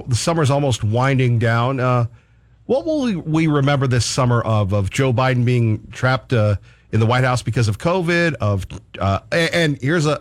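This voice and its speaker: Halting radio host man. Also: medium pitch, no room sound. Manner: halting, filler-heavy questions. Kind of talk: radio interview. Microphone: studio microphone.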